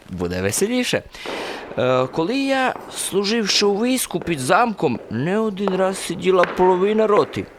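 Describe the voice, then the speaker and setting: Radio drama role: folksy, talkative happy-go-lucky soldier, very animated intonation, rambling anecdotes, slightly noisy recording. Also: male voice, fairly high pitch. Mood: chatty, unbothered. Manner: folksy, chatty, rambling storytelling. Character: garrulous, cheerful simple soldier rambling through anecdotes.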